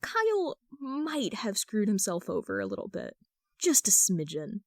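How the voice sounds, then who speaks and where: A woman's voice: medium pitch, wildly swooping pitch, measured pace, a little mellow, dry recording. Woman reading fan fiction, dry close sound. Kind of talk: scripted narration, amateur audiobook reading of texts and story.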